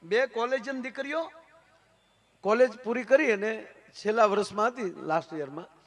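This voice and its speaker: Folk comic; moves from hushed to booming and preachy. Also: male voice, normal speed. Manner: swings from hushed asides to loud preachy declamation. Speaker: folk comedian and storyteller. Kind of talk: folk humor stage storytelling.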